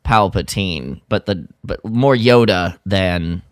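A man's voice: deep voice, slow, no echo, studio quality. A man co-hosting a podcast, talking in casual fan chat. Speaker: podcast co-host.

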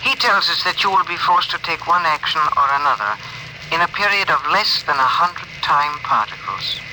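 An actor playing a gentle alien ship's communicator who speaks in stiff, oddly formal phrases, in a 1950s radio drama. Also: male voice, on the high side, animated, normal speed, rough recording. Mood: solemn. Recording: hissy old radio broadcast.

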